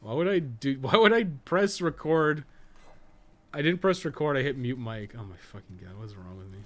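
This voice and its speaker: Streaming a video game, a podcast co-host rambles through casual commentary packed with swearing and crude jokes. His medium-pitched voice is expressive at normal speed, and the background is clearly noisy.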